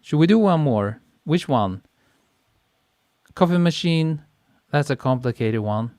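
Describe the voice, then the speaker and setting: Relaxed man chatting on a live stream. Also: a little high, unhurried, no echo, studio quality. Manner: relaxed, chatty, laughs easily, reads comments aloud. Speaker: photographer hosting a live stream. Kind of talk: casual live-stream chat reading viewer comments. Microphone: podcast mic on a boom arm.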